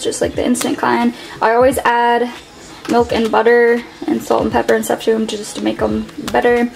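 A young woman sits at a table at home, holding the camera overhead in a point-of-view shot as she shows off her grocery haul. Her voice runs on the high side with vocal fry, and she chats casually and relaxedly, dropping plenty of "like" and "um." The audio is poor, a home video with music playing underneath.

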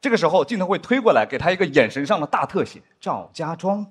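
A young adult man performing a stand-up comedy set on a studio stage, animated, now and then acting out stiff drama lines in a lower voice. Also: racing, heavy background noise. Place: studio stage with live audience. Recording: studio stage with audience laughter. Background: audience laughter.

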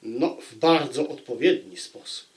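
A man giving a book review to viewers, phrasing deliberately like a storyteller, with pauses. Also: mid-range voice. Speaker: book reviewer and audiobook narrator.

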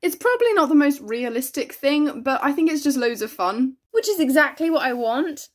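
A woman's voice: high voice, expressive, moderate pace. A woman from the United Kingdom narrating a casual tour of her toy horse barn, chatty with self-deprecating asides.

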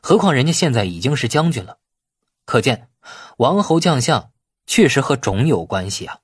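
A man reads a novel aloud as an audiobook narrator. His voice is mid-pitched and slightly husky, with animated intonation. The sound is close and dry, suited to expressive storytelling. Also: moderate pace, dry recording. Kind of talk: scripted narration of a novel with acted dialogue.

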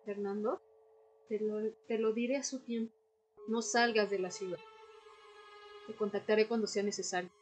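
A woman's voice: medium pitch, fairly even intonation, moderate pace, long pauses, lightly acted. A woman playing a guarded, mysterious woman in a radio drama, speaking in terse, cryptic lines. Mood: grave, guarded. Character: guarded, mysterious woman who knows history's secrets. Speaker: supporting actor. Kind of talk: audio drama dialogue. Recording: music bed under the voice.

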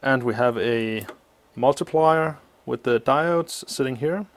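Man, mid pitch, slightly muffled by a mask, workshop teardown walkthrough, halting with fillers. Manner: thinking aloud with many filler pauses. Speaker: electronics teardown host. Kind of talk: hands-on technical walkthrough. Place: workshop bench, indoors.

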